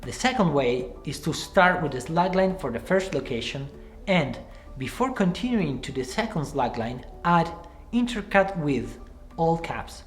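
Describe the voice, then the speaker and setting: A man in his thirties presenting a scripted screenwriting tutorial to camera from a small room, speaking in a clear, measured way. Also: a little high, animated, faint music behind. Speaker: screenwriting teacher. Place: small room with cards pinned on the wall.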